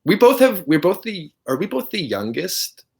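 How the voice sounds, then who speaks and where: A man's voice: high-pitched, big pitch swings, normal speed, vocal fry. A man from Canada, a guest on a casual video chat, talking earnestly and stopping to search for words.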